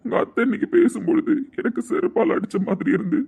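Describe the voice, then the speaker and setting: A man's voice: very high voice, big pitch swings, fast talker, gravelly, husky, exaggerated voice. A man playing a cold, resigned young lover over a tinny line. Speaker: lead character in an audio drama. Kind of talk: emotional Tamil audio-drama acting. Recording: tinny phone-like sound.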